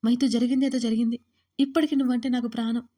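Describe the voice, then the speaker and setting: A woman's voice: a little high, level tone, fast talker, warm tone, natural voice. A woman voicing a young man who pleads desperately and tearfully with the woman he loves, in an audio story.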